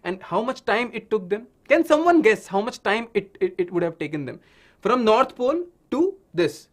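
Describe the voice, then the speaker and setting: A male science teacher with an Indian accent, a native Hindi speaker, gives a lesson to children. His voice sits high and swings widely in pitch. He builds things up like a dramatic story and often checks in with short questions. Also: big pitch swings, normal speed. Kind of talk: animated online lesson for children.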